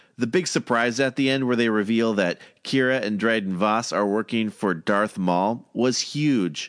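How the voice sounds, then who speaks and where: Medium pitch and ordinary pitch variation from a man at a moderate pace, a plain, everyday voice against a quiet background. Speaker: podcast host. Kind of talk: casual chat.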